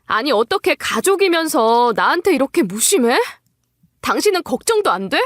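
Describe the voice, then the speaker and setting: A hurt and exasperated wife in a narrated drama, acted by a woman. Her voice is fairly high and very animated, reproachful and full of emotion. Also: normal speed, no room sound, studio quality.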